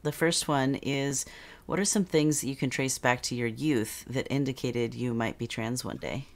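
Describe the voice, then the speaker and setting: A woman's voice: extremely low pitch, moderate pace. A woman hosting a video-call talk show, bubbly and chatty, laughing easily. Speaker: podcast host. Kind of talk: casual interview chat. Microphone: headset on video call.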